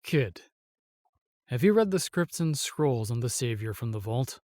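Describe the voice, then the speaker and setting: Protective royal guard for fantasy audio drama, male actor: earnest, measured, medium pitch, dry studio sound. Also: animated, darkish tone, dry recording, natural voice. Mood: calm, resolute. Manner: formal, measured, reassuring.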